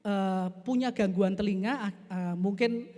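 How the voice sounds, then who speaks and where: A man voicing a calm male doctor who patiently explains things step by step. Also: high-pitched, unhurried. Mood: explaining. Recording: echoey hall.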